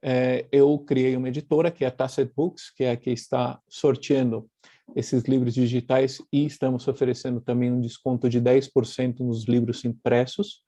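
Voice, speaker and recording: A man's voice: medium pitch, flat delivery, moderate pace, warm tone, no room sound. Argentine man presenting on a video call. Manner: thoughtful, many fillers and restarts. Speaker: guest speaker, publisher. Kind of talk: online lecture presentation.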